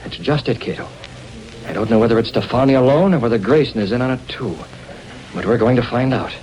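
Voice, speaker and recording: A man's voice: medium pitch, fairly quick, a little mellow, soft background music, natural voice. An actor playing a determined young male hero who explains things earnestly, on a crackly 1930s radio recording. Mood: resolute. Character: Britt Reed, determined young male publisher and masked hero.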